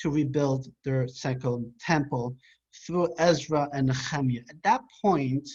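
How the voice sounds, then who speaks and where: This man's voice sits fairly high in pitch and is somewhat breathy. His pitch varies in an ordinary way. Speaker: religious teacher. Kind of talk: lecture.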